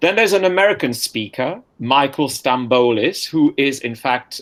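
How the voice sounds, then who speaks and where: With lively intonation, a man keeps a moderate pace. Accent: French. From France. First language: French. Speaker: professor. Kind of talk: lecture.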